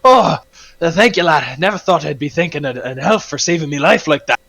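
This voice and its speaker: Guy doing a folksy blue-bearded dwarf, kinda high and loud, says lad. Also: lively intonation, fairly quick, gravelly, no room sound, exaggerated voice. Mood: grateful. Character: gruff blue-bearded male dwarf, grateful.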